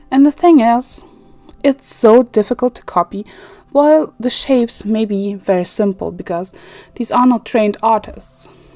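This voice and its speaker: A woman speaks with a fairly high pitch. Background noise is noticeable. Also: ordinary pitch variation, moderate pace, dry, close sound with no echo. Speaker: watercolour artist and art youtuber. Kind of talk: casual talk while painting. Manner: halting, self-correcting.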